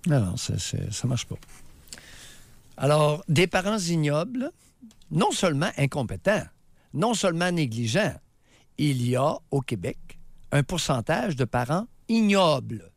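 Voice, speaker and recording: A man's voice: fairly high pitch, sing-song, a little slow, no room sound, studio quality. An older man with a Quebec French accent, co-hosting a radio talk show and asking callers blunt, curt questions. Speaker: co-host, advice-giving talk show doctor.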